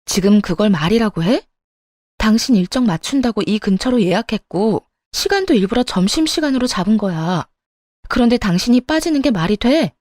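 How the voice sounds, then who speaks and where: A woman's voice: mid-range voice, expressive, moderate pace, a little mellow, dry recording, clean studio sound, natural voice. A woman voicing a tired wife who pushes back against her dismissive husband. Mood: indignant. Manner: pleading then sharply indignant. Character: exhausted, indignant wife, an ER worker in her 30s.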